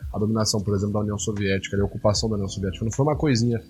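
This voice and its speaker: A man breaks down a debate in quick, casual commentary. He talks fast, animated and indignant, dropping slang and filler words, with faint music underneath. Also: lowish voice. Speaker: host analyzing rhetoric.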